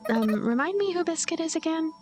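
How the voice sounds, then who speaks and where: A woman's voice: very high-pitched, expressive, brisk, music in the background, pitched above the performer's own voice. A woman voicing a lonely, blunt and protective young ghost girl in a visual novel, earnest and plain-spoken. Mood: puzzled.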